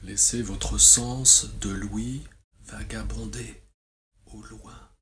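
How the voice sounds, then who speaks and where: Guy doing guided yoga nidra, really slow and soothing, long pauses, some ambient noise behind him. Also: on the low side, steady tone, fairly bright tone. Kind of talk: guided relaxation meditation.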